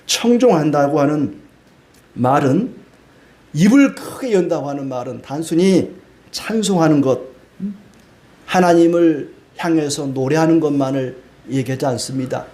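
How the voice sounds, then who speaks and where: A man's voice: fairly high pitch, moderate pace, a little mellow. A middle-aged male pastor from Korea, preaching a sermon with homey stories and acted-out quotes.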